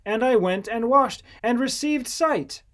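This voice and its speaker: Man acting bold, earnest healed blind man, high-pitched. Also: expressive, measured pace, a bit bright, full character voice. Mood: earnest, eager.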